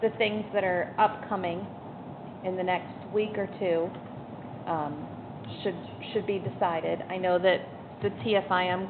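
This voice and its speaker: Over noticeable background noise, a woman at medium pitch speaks at a moderate pace with fairly even intonation and long, frequent pauses. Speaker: school board member. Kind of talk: board meeting discussion. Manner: halting.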